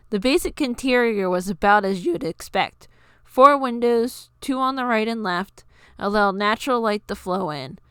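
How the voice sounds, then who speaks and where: Woman, story narrator, clear smooth voice, mid pitch, dry close sound. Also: fairly bright tone, dry recording. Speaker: narrator reading own fan fiction.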